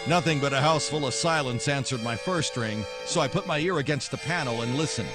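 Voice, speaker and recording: An actor playing a tough, wisecracking 1940s private detective in noir radio drama style, sardonic and clipped. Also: male voice, medium pitch, brisk, over loud music, lightly acted. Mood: wry narrating.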